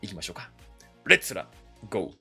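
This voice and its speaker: A man hosting casual anime reaction commentary, animated and self-mocking, laughing often between phrases. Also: sits low, quick pace, vocal fry, husky, faint music behind. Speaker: anime reaction channel host.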